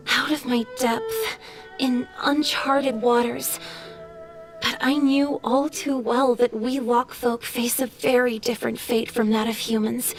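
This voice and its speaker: A woman voicing a gentle, wistful female water spirit who speaks softly and earnestly in video game dialogue. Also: a little high. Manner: soft, earnest, confiding.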